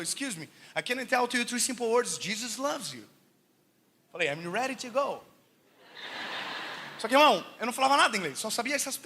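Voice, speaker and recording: A young Brazilian man preaching with humor, telling stories in an animated, joking way that rises to shouts. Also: high voice. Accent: Brazilian Portuguese. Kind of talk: humorous sermon storytelling.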